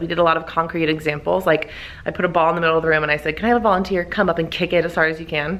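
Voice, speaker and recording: A woman speaks over noticeable background noise. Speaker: elementary school teacher, vlogger. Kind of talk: casual vlog talk to camera. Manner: fast; animated.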